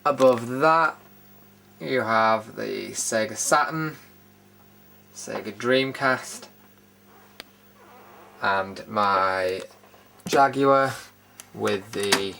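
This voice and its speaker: A British video host gives a casual, unscripted show-and-tell tour in an indoor studio room, matter-of-fact and dryly opinionated. His fairly low voice is gravelly, bright and forceful, extremely slow with frequent pauses, and background noise is noticeable.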